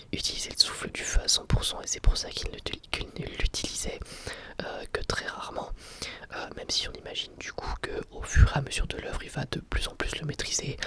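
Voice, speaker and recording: An ASMR creator whispering a casual review, speaking haltingly in short phrases. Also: mid-range voice. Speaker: ASMR YouTuber reviewing anime.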